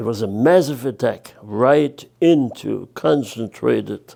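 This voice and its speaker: This man speaks with a German accent. His pace is very slow. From Germany. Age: 80s+. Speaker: Korean War veteran, former paratrooper. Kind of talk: interview answer.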